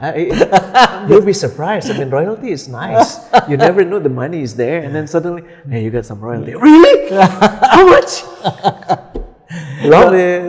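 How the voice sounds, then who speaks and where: Over noticeable background noise, a man with a high pitch talks at a moderate pace, with very wide pitch swings, big swings in loudness and long, frequent pauses. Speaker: career coach and author. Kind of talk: interview conversation. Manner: hesitant, many fillers.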